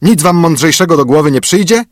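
A man doing a shrill, scolding little dwarf. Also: lively intonation, brisk, dry recording, studio quality, close to an everyday voice. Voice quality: thin, shrill voice. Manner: scolding, snapping, whining. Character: grumpy ungrateful little bearded male dwarf.

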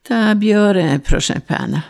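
A man's voice: high voice, takes it slowly, creaky, pitched above the performer's own voice, full character voice. A woman voicing a stubborn, plain-spoken male peasant farmer with a blunt, homely way of talking. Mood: submissive.

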